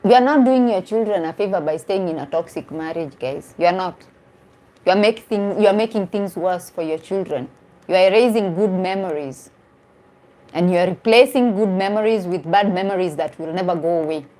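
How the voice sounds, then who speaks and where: This woman in her 40s coaches on dating during a casual live stream, her lowish voice dark in tone and a little fast. Earnest with viewers, she reacts to comments and tends to restart or repeat a phrase to stress what she means.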